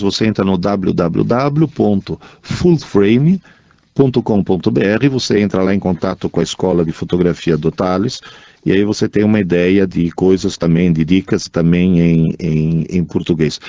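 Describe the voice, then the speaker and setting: Radio co-host, Italian-accented man, lowish voice, dull dry studio sound. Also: moderate pace, vocal fry, no room sound. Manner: lively, chatty, reads listener emails. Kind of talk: casual radio chat.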